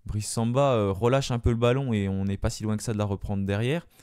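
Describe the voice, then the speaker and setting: A man's voice: lowish voice, fairly even intonation, fairly quick, a little mellow, clear, resonant tone, no room sound. A man giving a solo spoken debrief of a football match, hesitant, with many fillers and restarts, into a close microphone. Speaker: fan channel host.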